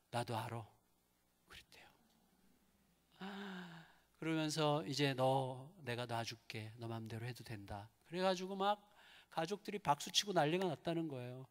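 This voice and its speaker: A male pastor preaching a sermon in a church, telling a story with lively acted-out quotes and prayers. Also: high voice. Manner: animated storytelling, acts out quoted prayers and dialogue. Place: large church sanctuary. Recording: long hall reverb in church.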